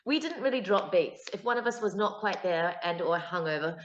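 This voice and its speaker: A woman's voice: fairly low pitch, expressive, brisk. A woman with a New Zealand accent, a guest actor chatting casually in an interview, full of fillers and side stories. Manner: chatty, anecdotal, frequent fillers. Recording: echoey, dull lo-fi call audio.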